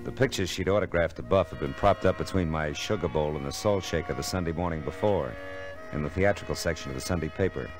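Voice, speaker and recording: A man's voice: low-pitched, quick pace, natural voice. An actor playing a hard-boiled, wisecracking private eye in old radio detective drama, wry and laconic as he narrates and needles people. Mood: wry, world-weary. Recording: old radio recording with music underscore.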